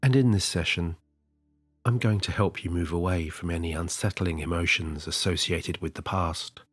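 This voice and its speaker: Deep husky man guiding sleep hypnosis. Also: no room sound. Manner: soft, slow and soothing, with long pauses. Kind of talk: slow guided sleep hypnosis. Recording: dry close studio voice over soft music.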